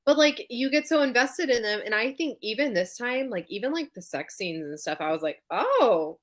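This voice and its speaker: A woman's voice: a little high, lively intonation, moderate pace. A woman in a casual book discussion on a live show, often searching for her words.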